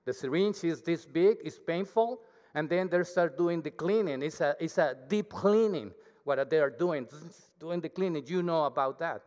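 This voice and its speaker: A man's voice: a little high, normal speed, darkish tone. A man with a thick Mexican accent, Spanish his first language, preaching a humble, chatty sermon as a guest speaker. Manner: humble, self-deprecating, chatty with the congregation. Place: church. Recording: hall reverb.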